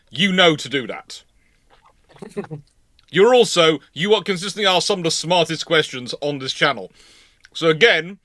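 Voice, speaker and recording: A man with a high, bright, forceful voice runs a live naval history Q&A stream, recorded dry. He chats casually and teases a bit while taking viewers' questions.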